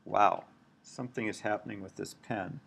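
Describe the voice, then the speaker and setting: A middle-aged man with a big, loud voice, giving a recorded university lecture while writing on a tablet, slow and deliberate. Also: on the low side, vocal fry, breathy edge. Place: at a computer, screen recording.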